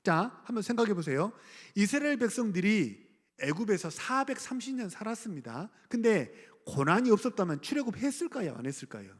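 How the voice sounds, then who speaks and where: A man's voice: high-pitched, big pitch swings, fairly quick. A middle-aged man from Gwangju preaching a sermon as pastor, speaking conversationally, asking the congregation questions and chuckling. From Gwangju, South Korea. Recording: church hall reverb.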